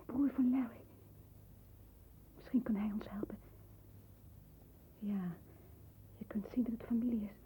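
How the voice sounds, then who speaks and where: An actress playing a frightened, devoted young woman in a 1960s radio play, breathy, hushed and anguished, on a muffled old recording. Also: fairly high pitch, steady tone, a little slow, pauses often, slight background noise, lightly acted. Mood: frightened whispering. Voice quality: breathy, husky.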